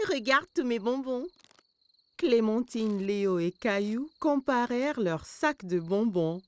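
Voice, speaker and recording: A woman's voice: on the high side, expressive, slow. A woman narrating a children's cartoon in storybook style. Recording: music behind the voice.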